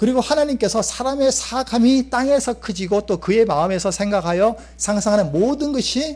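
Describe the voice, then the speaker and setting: Very wide pitch swings run through a man's speech at a moderate pace. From South Korea, Busan. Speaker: missionary preacher. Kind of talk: sermon. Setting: church.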